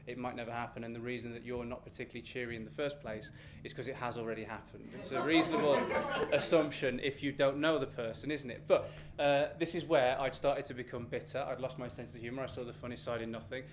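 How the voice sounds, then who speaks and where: A British man telling an animated, ranting comic story live on stage, exasperated, self-deprecating and sweary. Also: mid-range voice, fast talker, few pauses. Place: live storytelling event with room ambience. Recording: noisy live venue recording.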